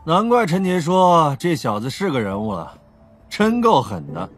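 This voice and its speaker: An actor playing a self-assured, amused police captain with a leisurely, teasing manner in an audio drama. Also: male voice, on the high side, sing-song, normal speed, faint music behind.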